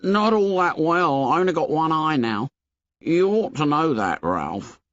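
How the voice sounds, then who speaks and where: A man voicing a shrill, nearsighted, anxious schoolboy who talks in rough, ungrammatical boy's speech. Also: big pitch swings, a little slow, a bit bright, dry recording, dull audio. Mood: urgent. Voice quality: shrill, pleading.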